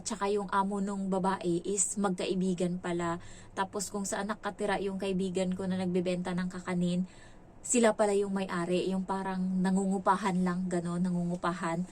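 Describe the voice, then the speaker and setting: A woman's voice: mid-range voice, little pitch movement, normal speed, darkish tone, slight background noise. Gossipy woman telling a story. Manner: gossipy and exclaiming. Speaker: domestic helper vlogger. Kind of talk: casual storytelling.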